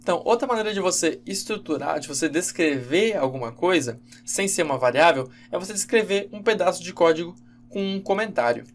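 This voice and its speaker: A man giving a casual, halting screen-recorded programming lesson, with many fillers and self-corrections. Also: sits high, expressive, a little hiss or hum. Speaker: game development instructor.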